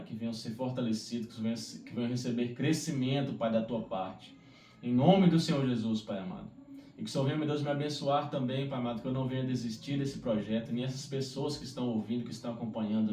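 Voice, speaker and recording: A man's voice: medium pitch, darkish tone. A Brazilian man speaking earnestly and devoutly, hosting a devotional of prayer and scripture reading aloud. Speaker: Bible reading host. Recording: roomy echo, distant mic, faint noise.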